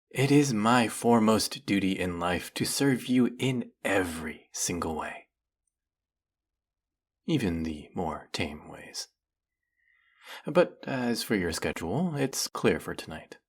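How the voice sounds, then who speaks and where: A man playing a flirty, fanatically devoted demon familiar in a dramatic audio roleplay, with fawning, formal diction and a breathy, husky voice. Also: sits low, full character voice. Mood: flustered, suggestive. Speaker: voice actor. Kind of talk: dramatic roleplay monologue spoken to the listener.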